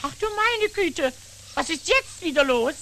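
A woman's voice: very high voice, expressive, unhurried, fairly bright tone, a little hiss or hum, heavily acted. An actress playing a fussy, bossy female magpie in a children's puppet show, prim and scolding, with lots of exclamations. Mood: fussing.

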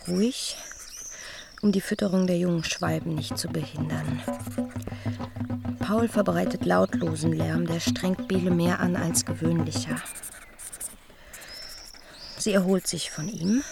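An actress playing a dreamy young woman who muses aloud from her diary in a radio play, speaking in a deliberate way. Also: fairly low pitch, steady tone, vocal fry, over music. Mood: deliberate, dry. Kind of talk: scripted first-person monologue in a radio play.

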